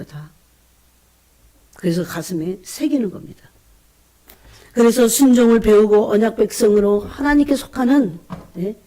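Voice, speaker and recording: A woman with a mid-range voice preaches a fervent, emotional sermon. She often calls out to her congregation and drops into hushed whispers between bursts of emphasis.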